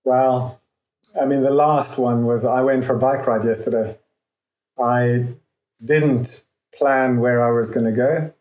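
A man's voice: mid-range voice, fairly even intonation, darkish tone. A man with a faint Zimbabwean accent, a guest in an interview, speaking earnestly and reflectively with some restarts. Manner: earnest, with frequent restarts and pauses. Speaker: guest, founder of a running event. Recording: roomy echo.

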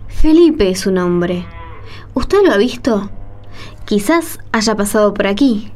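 A woman playing a gentle, courteous, devout young female disciple in a Spanish-language radio play. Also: mid-range voice, lively intonation, slow pace. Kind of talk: radio play dialogue acting.

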